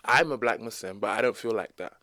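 A young man from the UK, a guest in an interview, telling his story fluently and quickly. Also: fairly low pitch, pushed and bright, no room sound, clean studio sound. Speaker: guest speaker on Islamic history. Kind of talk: conversational interview.

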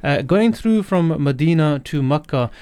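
A man hosting a radio interview who speaks in a measured, polite and affirming way. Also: on the high side, expressive, a little mellow, smooth, dry recording. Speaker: radio host.

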